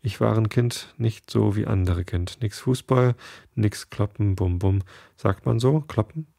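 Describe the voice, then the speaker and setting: A man voicing a gentle, chatty Italian waiter who speaks broken German. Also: lowish voice, fairly even intonation, unhurried, gravelly, dry recording, clean studio sound. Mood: wistful.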